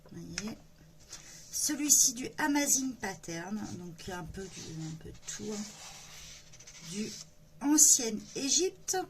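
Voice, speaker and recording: A woman's voice: medium pitch, lively intonation, slow, long pauses, noisy background. A woman hosting her own coloring channel, presenting a coloring book page by page in a casual, hesitant chat full of fillers. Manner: chatty, hesitant with many fillers. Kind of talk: casual book flip-through.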